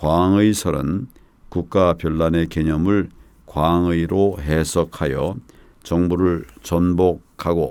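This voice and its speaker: A man's voice is very deep and low, with a dark, mellow tone. He speaks very slowly with fairly even intonation. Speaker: politician, presidential candidate. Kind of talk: ASMR-style reading of legal text. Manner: slow, soft-spoken, measured.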